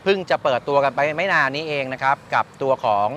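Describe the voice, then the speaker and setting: A motorcycle reviewer hosts a casual review and interview at a shop next to traffic, explaining things and repeating his guest's answers back to confirm them. His mid-range voice is a bit bright, and he talks fast. Outdoor noise and passing vehicles are audible behind him.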